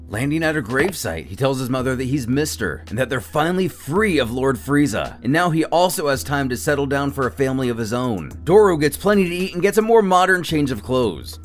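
A man's voice: mid-range voice, a bit bright. A man reading scripted narration as he recaps a comic story. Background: background music.

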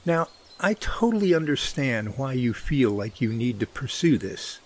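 Radio drama brother played by a man: earnest, protective, folksy, lively pitch swings, some ambient noise behind. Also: a little slow. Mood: concerned.

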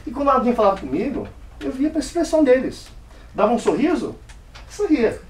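Guy telling a story at a club meeting, high lively voice, mic far off, roomy echo. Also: brisk. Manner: animated, acts out dialogue in varied voices. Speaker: speaker giving a club speech. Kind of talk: storytelling speech. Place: meeting room. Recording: echoey room from far off.

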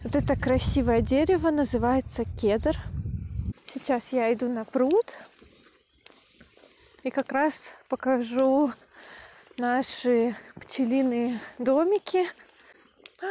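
A young woman speaks slowly and deliberately, her voice high but soft and mellow. She explains things calmly for language learners while filming herself at arm's length. The sound comes straight off a handheld camera, indoors and out. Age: young adult. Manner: calm, unhurried, deliberate explaining. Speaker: language teacher vlogger. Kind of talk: slow, clear Russian for learners. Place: country house and outdoor yard.

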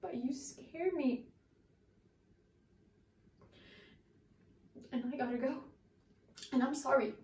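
A woman's voice: high-pitched, natural voice. Actress as hurt young woman, searching soliloquy, roomy. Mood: torn, apologetic. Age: young adult. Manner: searching, halting soliloquy with pauses and swings from quiet to forceful. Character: hurt, lovesick woman confronting her unfaithful lover. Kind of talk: dramatic monologue acting. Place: indoor room before a plain backdrop. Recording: roomy echo, distant microphone.

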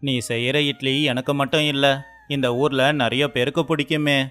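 A man acts out a caring young villager in a bedtime story. His voice is smooth and clear at a middle pitch, earnest and familiar, with music behind it. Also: steady tone, moderate pace, fairly bright tone, natural voice. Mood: friendly, helpful. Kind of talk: acted dialogue in a children's moral story.

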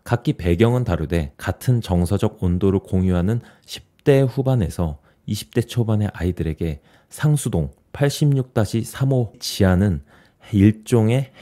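A man in his forties hosting his channel and calmly reading an essay aloud in a small home studio. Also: fairly low pitch. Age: 40s. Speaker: YouTube host. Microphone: studio mic on boom, headphones.

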